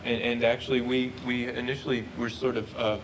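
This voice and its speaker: A man presenting research and answering questions, halting and often repeating words. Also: medium pitch, level tone. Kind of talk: research talk Q&A. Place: lecture room. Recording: noisy room recording.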